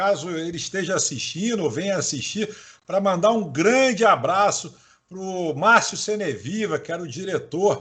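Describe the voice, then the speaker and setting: Against a quiet background, a man with a high pitch and a bright, sharp tone speaks at a moderate pace with lively intonation. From Rio de Janeiro, Brazil. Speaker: show host. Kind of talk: casual chat.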